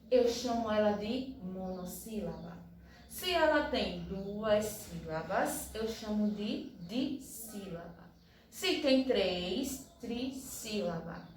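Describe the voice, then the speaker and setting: A woman's voice: a little high, slight background noise. A woman teacher giving a review lesson to young schoolchildren, speaking patiently and breaking words into syllables one by one. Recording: very echoey room, voice from a distance.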